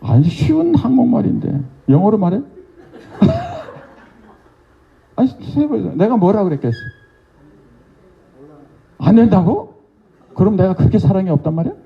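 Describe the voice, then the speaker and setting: An older man preaching at a church revival, playfully calling on congregants and quizzing them. His voice sits a little high and is gravelly, jumping widely in pitch. The recording is muffled and lo-fi. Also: wildly swooping pitch, normal speed, pauses often, slight background noise. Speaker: pastor. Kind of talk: interactive revival sermon, questioning the congregation. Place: church sanctuary.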